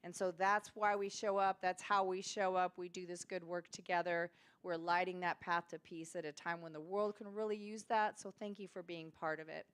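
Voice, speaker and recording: A woman's voice: on the low side, little pitch movement, moderate pace, hardly any pauses, a bit bright, clean tone. Woman with a scratchy voice leading a service. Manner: chatty and upbeat, with small laughs. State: slightly scratchy voice after an illness. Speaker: host of a spiritual center service. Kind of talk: leading a church service, welcoming and announcing.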